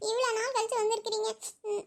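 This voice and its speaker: Cartoon young wife played by a woman: very high, fast, tender and tearful. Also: little pitch movement. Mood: longing, teasing. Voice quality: very high and quick. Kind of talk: cartoon voice acting.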